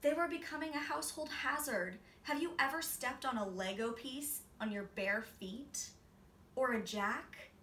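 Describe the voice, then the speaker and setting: A woman in her twenties gives an expressive children's read-aloud. Her voice is bright and medium in pitch. The room is audible around her, with faint noise. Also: a little slow, far from the mic. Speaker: storybook reader. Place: small indoor room, seated. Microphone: camera a few feet away. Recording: roomy, off-mic, faint noise.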